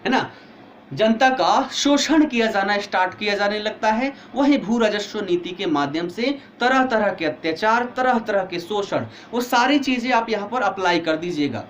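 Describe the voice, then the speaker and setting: A man's voice: high voice, lively intonation, moderate pace, a bit bright, a little hiss or hum. A male teacher giving an online exam-prep history lecture, explaining step by step and asking students questions, tired with a headache.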